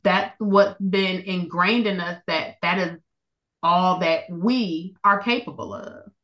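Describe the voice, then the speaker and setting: A woman's voice: fairly low pitch, slow, lo-fi sound. A woman with an African American, Southern US accent talking candidly and reflectively in a casual panel discussion. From US Midwest, later moved to the South.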